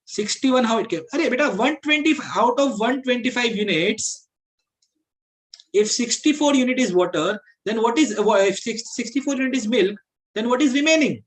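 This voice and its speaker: The recording is low quality, capturing a very high-pitched man speaking at a moderate pace. He is an aptitude teacher with a South Asian accent giving a step-by-step classroom lesson, repeating himself, blending Hindi into his English, and frequently quizzing the class to confirm they understand.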